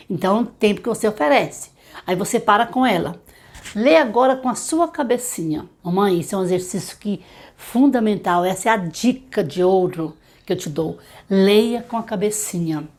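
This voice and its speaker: Brazilian woman teacher, middle-aged, medium pitch, talks straight to mothers, slows to sound out words. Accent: Brazilian Portuguese. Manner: warm direct advice to mothers, slow syllable-by-syllable demonstrations. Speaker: literacy teacher. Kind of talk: tutorial talking to parents.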